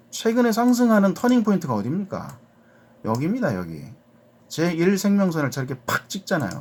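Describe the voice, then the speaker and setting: The speech moves at a fairly quick pace with very wide pitch swings, broken by long, frequent pauses. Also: man. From Daejeon, Chungcheong, South Korea. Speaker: stock trading tutorial creator. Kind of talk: tutorial; casual chat.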